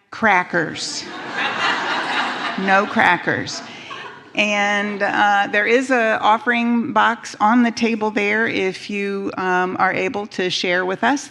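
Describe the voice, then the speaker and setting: A woman's voice: mid-range voice, steady tone, slow pace, vocal fry, fairly bright tone. A woman giving informal, chatty announcements to a church congregation as a volunteer.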